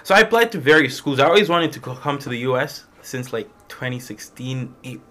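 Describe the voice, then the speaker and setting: A man's voice: mid-range voice, lively intonation, a little fast, pushed and bright, slight background noise. A young man, telling his own story to a small group in an informal, conversational way. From Malawi. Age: young adult. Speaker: international student speaker. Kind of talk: personal testimony to a small group.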